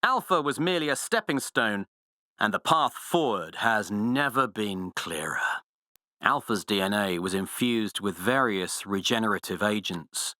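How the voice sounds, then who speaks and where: Cold, arrogant villain scientist. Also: male voice, on the low side, lively intonation, unhurried, bright, forceful tone, dry recording, studio quality. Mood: coldly clinical. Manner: clinical, precise, formal, haughty. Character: cold, arrogant villainous male scientist, menacing and self-assured. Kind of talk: video game villain voice lines.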